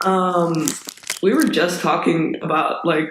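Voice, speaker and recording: High male voice over noticeable background noise. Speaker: podcast co-host. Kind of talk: casual chat.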